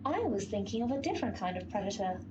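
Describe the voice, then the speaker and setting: A woman's voice: mid-range voice, animated, quick pace, highs cut off, noisy background, close to an everyday voice. A woman playing an eloquent, scheming white horse of pestilence in a comic radio play, grandiose and silky. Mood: coolly persuasive.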